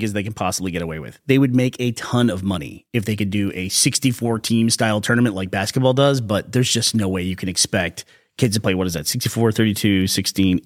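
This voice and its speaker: A middle-aged man hosting a podcast in casual chat, slightly hoarse, explaining things at a relaxed, rambling pace. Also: fairly low pitch. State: a little hoarse. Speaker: podcast host.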